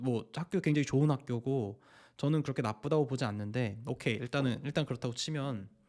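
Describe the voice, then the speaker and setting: Moderately paced male speech with ordinary pitch variation, recorded very cleanly against a silent background. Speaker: online mentor and engineering lecturer. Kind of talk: mentoring session, casual advice chat. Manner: frank, somewhat sharp tone.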